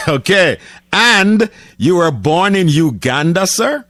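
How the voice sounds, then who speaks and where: A man's voice: high voice, big pitch swings, takes it slowly, a bit bright, dry recording, studio quality. A man hosting a casual radio interview, laid-back and dotted with "uh" fillers. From Jamaica. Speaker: radio host. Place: radio studio.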